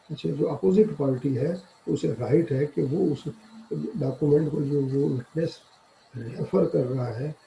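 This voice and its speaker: A man's voice: on the high side, gravelly, mellow, slight background noise, poor audio. A man with a South Asian accent lecturing on law, reading formal text and explaining it in plain terms.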